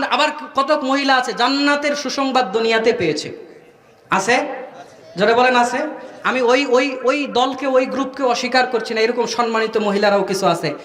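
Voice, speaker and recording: A man's voice: very high-pitched, moderate pace. A man preaching a waz sermon, calling on the crowd to answer and breaking into sung verses. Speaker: Islamic preacher. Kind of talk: Bengali waz sermon at an outdoor gathering. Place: tent gathering of a crowd. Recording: echoey loudspeaker sound from far off.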